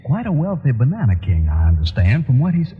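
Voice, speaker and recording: An actor playing an obliging, gossipy hotel clerk in an old radio drama, deferential and fussy. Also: male voice, medium pitch, wildly swooping pitch, a little fast, soft background music. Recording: thin phone-like, echoing old radio recording.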